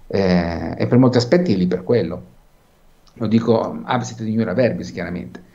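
A man with a very deep, low pitch, a dark, mellow tone, vocal fry and very wide pitch swings, at a moderate pace against a quiet background. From Italy. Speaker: political science professor and columnist; political science professor. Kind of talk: interview. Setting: remote video link. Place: home room. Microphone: video call.

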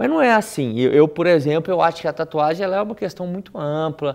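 A man's fairly high voice at a fairly quick pace, with ordinary pitch variation and a quiet background. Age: 20s. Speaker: youth pastor; youth pastor guest. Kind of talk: casual interview. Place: studio. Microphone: lapel.

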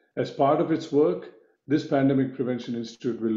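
A man talks at a fairly quick pace with a dark, mellow tone and ordinary pitch variation. The background is quiet, though room echo is audible. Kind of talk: prepared speech. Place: office. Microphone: video call.

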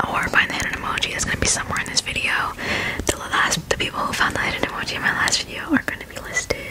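A woman talks at a very fast pace. Loud background noise is heard behind her. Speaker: ASMR creator. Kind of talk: casual vlog chat. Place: home room. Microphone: studio mic.

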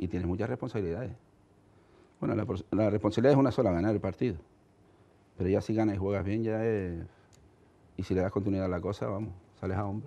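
A man's fairly low, dark, mellow voice at a very fast pace, broken by long, frequent pauses. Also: ordinary pitch variation. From Canary Islands. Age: 50s. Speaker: former footballer, club technical staff; football guest or coach. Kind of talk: TV interview; TV panel discussion. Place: studio. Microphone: lapel.

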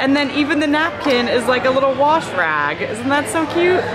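A woman talks at a moderate pace. Crowd noise sits in the background. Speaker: vlogger, host. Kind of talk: casual vlog chat, food review. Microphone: phone near.

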